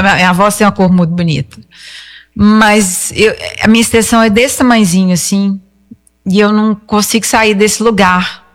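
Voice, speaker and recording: A woman's voice: medium pitch, long reverb tail. A woman with a Brazilian Portuguese accent, a singer telling stories casually and emphatically in an interview, often acting out quoted dialogue.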